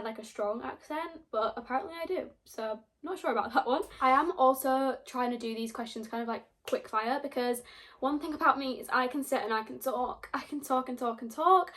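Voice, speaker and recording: A woman's voice: high voice, a bit bright. A young woman from Yorkshire with a Yorkshire accent, chatting casually to camera about herself, rambling with lots of fillers. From Yorkshire, England. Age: young adult. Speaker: book vlogger.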